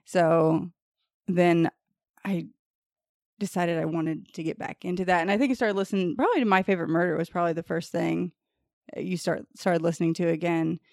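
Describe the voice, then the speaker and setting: A woman co-hosting a podcast, talking casually with quick asides and frequent giggles. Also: lowish voice, fairly even intonation, gravelly, a little mellow, no room sound, studio quality. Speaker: podcast co-host.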